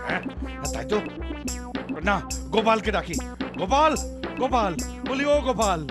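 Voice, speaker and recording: A man voicing a pompous, fussy older village scholar in a cartoon, repeating his words excitedly. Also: high voice, normal speed. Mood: alarmed. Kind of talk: Bengali cartoon voice acting. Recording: loud music behind the voice.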